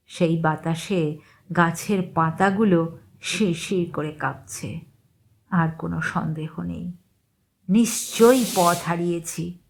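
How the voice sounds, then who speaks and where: A woman reading a story aloud in a slow, measured way, sometimes dropping to a near whisper. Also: medium pitch. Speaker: story reader. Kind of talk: scripted story narration.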